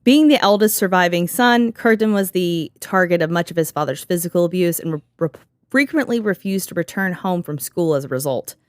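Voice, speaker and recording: A woman hosting a casual podcast chat, sarcastic and quick to laugh, swearing freely as she tells the story. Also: fairly low pitch, lively intonation, no room sound. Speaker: podcast host.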